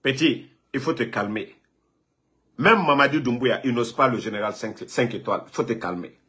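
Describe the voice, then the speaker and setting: A man's voice: medium pitch, normal speed, bright, forceful tone. A man from Guinea, ranting and scolding a rival on a live phone video, repeating himself. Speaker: political online commentator.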